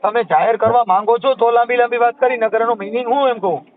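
Man, high pitch, Saurashtra Gujarati accent, insistent questioning, thin phone-call sound. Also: steady tone, quick pace. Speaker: call taker who records and publishes calls. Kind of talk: phone conversation, questioning the caller. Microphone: telephone. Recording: tinny narrowband phone call recording.

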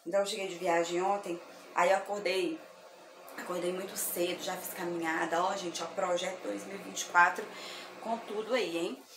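A woman from Brazil selling thrift clothes online, chatty and effusive, her voice slightly hoarse from sleepiness. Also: fairly low pitch, fairly even intonation, normal speed. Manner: chatty, effusive, addresses viewers as girls. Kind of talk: casual product showcase. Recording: echoey room with faint ambient noise.

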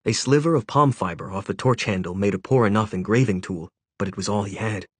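A man narrating a children's novel aloud in a measured, gently dramatic way. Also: on the low side, husky, no room sound. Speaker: audiobook narrator. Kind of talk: scripted storybook narration.

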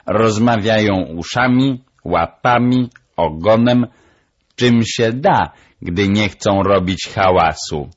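A man voicing a proud, lecturing female parrot with a shrill voice, in a storybook audiobook. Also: takes it slowly, lo-fi sound.

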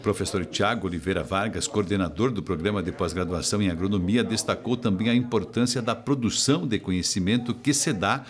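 A man's voice: on the low side, brisk, hardly any pauses. A man with a Brazilian accent reading scripted news narration as a reporter.

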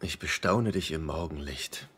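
An actor playing a needy, eager, awkward middle-aged man in a German-dubbed sitcom, plaintive and excitable. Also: a bass voice, a little slow, breathy edge, exaggerated voice. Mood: playful. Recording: noisy TV soundtrack with clicks.

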